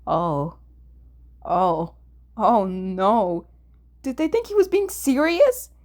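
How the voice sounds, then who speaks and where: A woman's voice: mid-range voice, wildly swooping pitch, extremely slow, a little mellow, exaggerated voice. A woman voicing an earnest, flustered young man, the newcomer at an agency, in a fan fiction audiobook.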